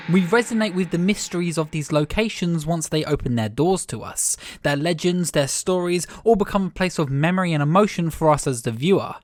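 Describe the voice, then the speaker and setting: A slightly hoarse man narrating a scripted video essay as its host, in an earnest, enthusiastic way. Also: a little high, normal speed, sharp tone, a little hiss or hum. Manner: earnest, enthusiastic reflective delivery. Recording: music playing under the voice.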